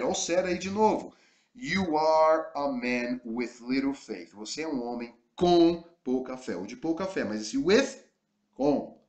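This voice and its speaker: A man with a Brazilian Portuguese accent, a native Portuguese speaker, teaching an English lesson, reading sentences slowly and then translating and explaining them. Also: on the high side, echoey room. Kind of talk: recorded language lesson.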